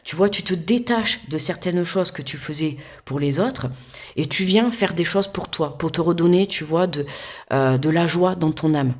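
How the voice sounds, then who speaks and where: A woman's voice: fairly low pitch, normal speed. Woman, casual card reader, informal and talkative, addresses the listener directly and keeps checking in. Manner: chatty, keeps checking in with "d'accord?" and "tu vois". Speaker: tarot guidance reader. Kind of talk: casual card reading to the viewer. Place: home desk.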